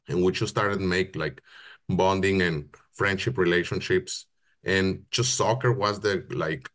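Low-pitched man, interview guest, halting and thoughtful delivery. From Mexico. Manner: searching for words, many pauses and restarts. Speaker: football operations project manager, guest. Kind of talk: casual interview answers.

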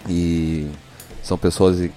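A man co-hosts a laid-back sports podcast in a very deep voice. He speaks in unhurried sentences and passes along greetings to listeners. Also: flat delivery, mellow, soft background music. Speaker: podcast co-host. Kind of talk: casual podcast chat.

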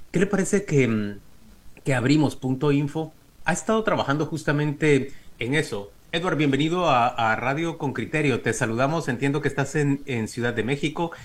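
A male radio host. His voice sits at a middle pitch. He welcomes his guest and the listeners in a formal, measured presenter's manner.

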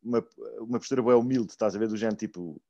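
A man's voice: lowish voice, rapid-fire, dark tone, no echo, dull audio. Casual young man, dry close sound. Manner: slangy, peppered with English words and swearing. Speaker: wrestling podcast co-host. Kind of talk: casual chat.

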